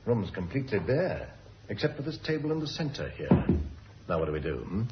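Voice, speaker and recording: An actor playing a brisk, confident male special agent who talks in a clipped, breezy, unflappable way in an old radio drama. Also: on the low side, sing-song, over loud music. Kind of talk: 1940s radio drama acting. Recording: muffled old radio recording with faint hiss.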